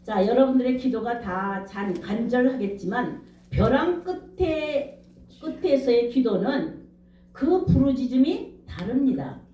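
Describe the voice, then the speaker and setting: A woman's voice: fairly high pitch, animated, measured pace, dark tone, recorded from a distance, a little hiss or hum. A middle-aged woman pastor preaching a revival sermon with emphasis, firing questions at the congregation. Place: church sanctuary. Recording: echoey room, speaker off-mic.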